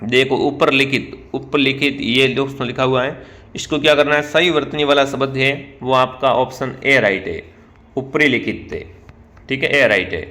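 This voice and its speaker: A male online teacher with a Rajasthani Hindi accent runs a quick-fire spelling quiz. His voice is bright and forward, and it sits at an ordinary middle pitch. He keeps putting questions to the viewers and then answers them himself. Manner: keeps calling out to the viewers as friends. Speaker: online exam-prep teacher.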